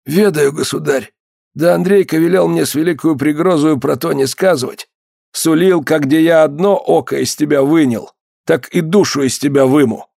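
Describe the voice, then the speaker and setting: A man voicing a hoarse one-eyed peasant who pleads and accuses in an audiobook. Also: a little high, moderate pace, darkish tone, no echo, clean studio sound, pitched above the performer's own voice. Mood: fearful.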